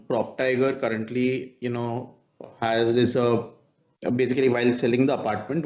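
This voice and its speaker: A man with a mid-pitched voice speaks over slightly muffled conference call audio. He explains business figures as a company executive, in a measured and formal manner. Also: a little mellow. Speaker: company executive answering analysts. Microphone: conference call line.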